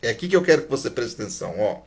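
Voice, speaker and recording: A man's voice: medium pitch, very animated, rapid-fire, breathy edge. A man preaching a sermon, stressing points by repeating them and sometimes sinking to a near whisper. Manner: emphatic, repeats key phrases, drops to a near whisper.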